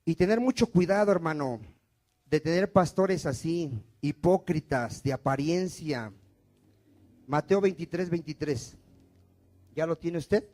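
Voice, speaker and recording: A male pastor preaching a sermon in a church. He asks the congregation questions and answers them himself, loud on one line and dropping to a hush on the next. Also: on the high side, measured pace. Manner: swings from loud emphatic lines to dropped, quiet endings.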